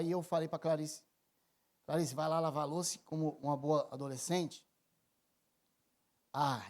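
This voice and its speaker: High-voiced Brazilian pastor in his thirties preaching; moves from quiet personal stories to loud, emphatic appeals. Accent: Brazilian Portuguese. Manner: personal storytelling, swings from soft confession to loud emphatic preaching. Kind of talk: sermon.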